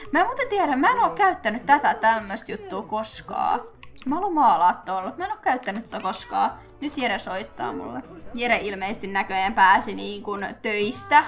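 A woman's voice: fairly high pitch, a bit bright. Chatty young woman narrating her gameplay. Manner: chatty, giggly, talks to her game characters. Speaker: gaming YouTuber. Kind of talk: casual Let's Play commentary.

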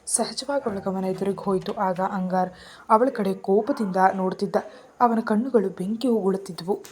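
A woman narrating a serialized story in a steady, even manner. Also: mid-range voice, moderate pace.

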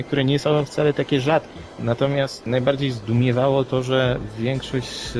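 Man commenting reflectively over music. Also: mid-range voice. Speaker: podcast co-host and commentator. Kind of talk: unscripted news commentary. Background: music playing under the voice.

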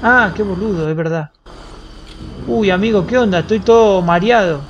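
Casual gameplay commentary comes from a young Argentine man speaking Rioplatense Spanish, who jokes around with crude slang while streaming. He's high-pitched and talks at a normal speed over lo-fi sound with a little hiss or hum.

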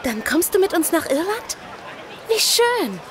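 High-pitched plucky girl, played by a woman. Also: sing-song, a little slow, crowd noise, background noise, heavily acted. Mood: eager, defiant. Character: Lissy, plucky loyal cheeky girl. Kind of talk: audio drama acting.

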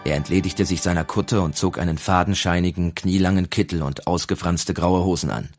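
A man narrating an audiobook in a calm, even storytelling manner. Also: low-pitched, fairly quick, faint music behind.

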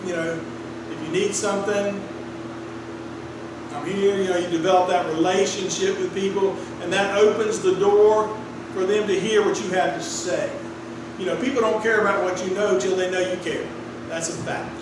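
A middle-aged male pastor with a high voice preaches a sermon at normal speed in a conversational, storytelling style, inviting responses from the congregation. A distant camera's room mic captures him across a small wood-paneled sanctuary, giving a very echoey sound over a steady air-conditioner hum.

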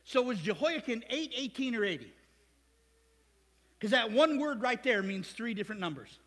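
A man with an American Midwest accent, preaching a sermon as pastor, animated and joking with his congregation. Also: extremely high pitch, moderate pace, in a large hall. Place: church sanctuary.

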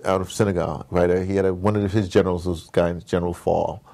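A middle-aged man being interviewed, telling stories in a casual, animated way, repeating words and wandering off point. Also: sits low, quick pace, creaky. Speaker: interviewed audio drama producer. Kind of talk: casual, digressive interview talk. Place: at his home base in New York.

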